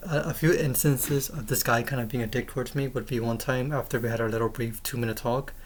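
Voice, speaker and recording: A man with an American accent speaks at medium pitch in a somewhat breathy voice. His intonation stays fairly even. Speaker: YouTuber. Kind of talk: casual storytelling vlog. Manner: monotone; hesitant with fillers.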